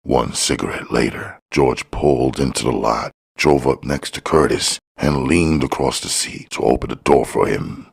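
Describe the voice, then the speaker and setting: A man's voice: extremely low pitch, normal speed, creaky, few pauses, breathy edge. A man reading crime fiction aloud as scripted audiobook narration.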